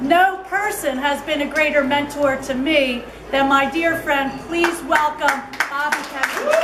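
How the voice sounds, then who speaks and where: Against noticeable background noise and audible room echo, a woman with a high pitch speaks at a fairly slow pace. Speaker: political candidate. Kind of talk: campaign speech. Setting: fundraiser in a bar, live audience.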